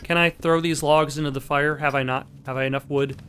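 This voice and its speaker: Man, let's play host, reads game text aloud, slightly high voice, casual asides. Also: fairly even intonation, a little fast, fairly bright tone, clear, resonant tone.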